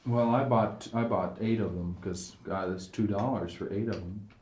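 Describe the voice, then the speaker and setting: A man's voice: on the low side, moderate pace, darkish tone. A man in a casual, informal home chat, acting as the visiting interviewer. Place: indoors in a home. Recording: echoey room with clear background noise.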